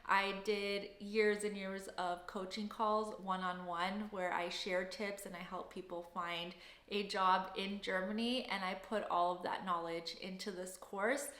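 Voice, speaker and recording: A woman's voice: medium pitch, fairly even intonation, measured pace, fairly bright tone, echoey room. A young woman, hosting a casual Q&A vlog in an upbeat, effusive way. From Canada. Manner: upbeat, effusive, gushing thanks. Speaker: vlogger and job-search coach.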